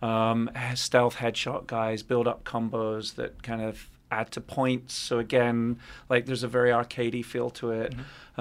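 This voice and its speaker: A man with an unremarkable speaking voice talks at medium pitch with fairly even intonation. The recording is very clean with a silent background. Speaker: game developer. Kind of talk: interview answers. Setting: studio.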